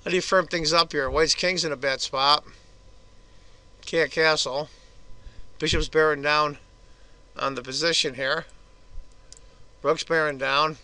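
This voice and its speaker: A hoarse man giving casual, chatty move-by-move commentary on a chess game for his video channel. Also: fairly high pitch, fairly even intonation, measured pace, long pauses, pushed and bright.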